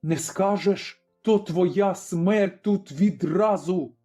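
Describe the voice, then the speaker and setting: A man voicing a stern old Cossack father in a told story, speaking firmly and deliberately. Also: high-pitched, mellow, faint music behind. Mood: grim.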